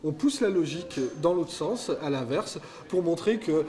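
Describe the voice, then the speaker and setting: A man's voice: fairly high pitch, animated, normal speed, darkish tone. A man being interviewed about his documentary, talking hesitantly with many fillers. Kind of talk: interview answers.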